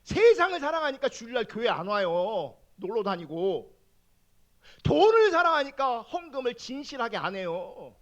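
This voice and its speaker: A male pastor giving a sermon, telling a personal testimony and acting out his own prayers in an animated way. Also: very high voice, moderate pace, dull audio.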